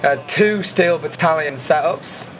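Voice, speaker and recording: A man's voice: on the high side, a little slow, a little hiss or hum. A man giving a casual, dryly jokey voice-over commentary as the host of an event video.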